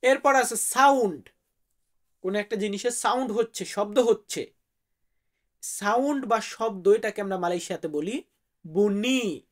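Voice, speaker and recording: A woman hosting a vocabulary lesson for her viewers. She says each word, then repeats it slowly and deliberately. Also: medium pitch. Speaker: language teacher and channel host.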